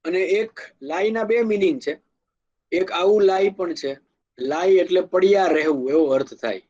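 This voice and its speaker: A man with a Kathiawadi Gujarati accent teaching an English grammar lecture, explaining slowly with spoken examples and asides. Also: high voice, a little mellow, lo-fi sound. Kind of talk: classroom lecture.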